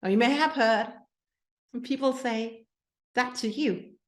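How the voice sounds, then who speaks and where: A mindset coach and host from Denmark, Danish-accented, talks at a measured pace in a fairly high voice, with a roomy sound. Her motivational talk is filled with questions aimed at her listeners.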